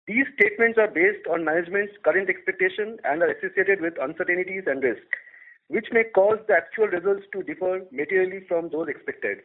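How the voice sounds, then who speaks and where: A man introducing an earnings call and reading a formal legal disclaimer from a script. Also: high voice. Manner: reads a prepared disclaimer steadily. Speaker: investor relations head. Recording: tinny phone line.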